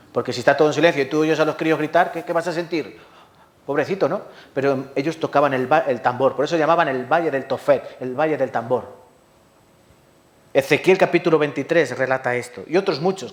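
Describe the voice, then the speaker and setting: Man, Spanish accent, pastor, sermon, dramatic storytelling, rhetorical questions, slightly high voice. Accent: Spain. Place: church hall.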